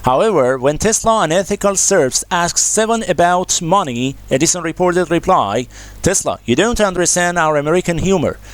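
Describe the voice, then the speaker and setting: A man's voice: high voice, expressive, normal speed. A man reading short practice passages aloud for an English speaking test. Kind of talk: scripted read-aloud of exam practice passages.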